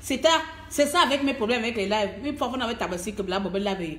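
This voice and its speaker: A woman's voice: fairly high pitch, lively intonation, quick pace, a bit bright, slight background noise. Emphatic Gabonese woman in an echoey room. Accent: Gabonese French. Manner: emphatic, hesitant, full of fillers, switches languages. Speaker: activist making a call to mobilize. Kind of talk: live video appeal. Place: abroad, away from home country.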